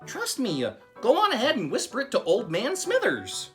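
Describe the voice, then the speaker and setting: A man's voice: extremely high pitch, wildly swooping pitch, moderate pace, a bit bright, soft background music, exaggerated voice. A man voicing a friendly, hesitant puppet host with an encouraging gee-whiz manner in a comedy show. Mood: patient, upbeat.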